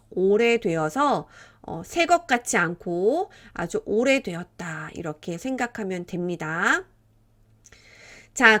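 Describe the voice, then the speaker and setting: A woman's voice: fairly high pitch, bright, forceful tone. A woman teaching Korean vocabulary, explaining words patiently and acting out short example dialogues. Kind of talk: vocabulary lesson.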